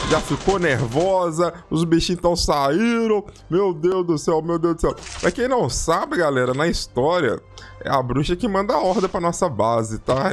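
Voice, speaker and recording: Young Brazilian man, gaming YouTuber, excitable let's-play chatter, a bit high-voiced, game music underneath. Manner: excitable, talks to the audience, repeats phrases. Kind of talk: casual let's-play commentary. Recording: game music playing behind.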